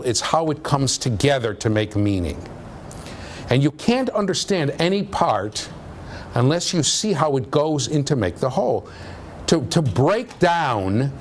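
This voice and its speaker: Lively low-voiced male lecturer. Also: slight background noise. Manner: conversational, checks understanding with frequent "okay?". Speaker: university lecturer. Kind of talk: classroom lecture. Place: lecture room.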